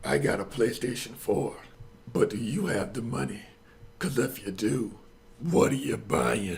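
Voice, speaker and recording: The man puts on a raspy character voice at a medium pitch. Long, frequent pauses break up his lines. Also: moderate pace. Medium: solo performance.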